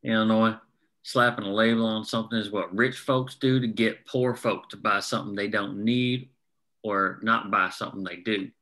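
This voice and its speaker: A man's voice: lowish voice, fairly even intonation, normal speed, pushed and bright. A man playing an earnest, plain-spoken coal miner who rallies fellow workers with folksy working-class diction, in a script table read. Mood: earnest, insistent.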